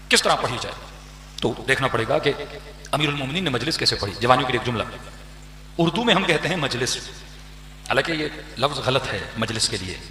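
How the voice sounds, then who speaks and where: A preaching man, his voice high and ringing bright. He keeps tossing questions out to the crowd and answering them himself, pressing each point with emphasis. The sound carries a long, roomy echo from the hall. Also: slight background noise. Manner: rhetorical questions to the audience, emphatic build-ups. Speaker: cleric giving a majlis address. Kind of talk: religious sermon. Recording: echoey hall with long reverb.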